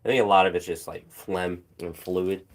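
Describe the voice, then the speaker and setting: A young man, a phys ed teacher, chatting casually about his training with a hoarse, phlegmy throat and many fillers and pauses. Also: low voice, fairly even intonation, background noise. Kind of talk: casual vlog chat while training.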